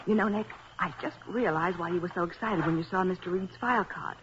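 An actress playing an eager, inquisitive detective's assistant, expressive and exclamatory in 1940s radio style. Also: female voice, lowish voice, fairly quick, lightly acted. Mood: eager, puzzled. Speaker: actor. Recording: muffled, hissy 1940s radio recording.

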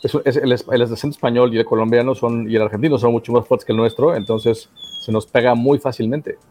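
A man's voice: medium pitch, fairly even intonation, quick pace, darkish tone, a little hiss or hum. A man interviewing a guest in a casual, teasing chat. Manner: teasing, joking. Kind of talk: casual conversation.

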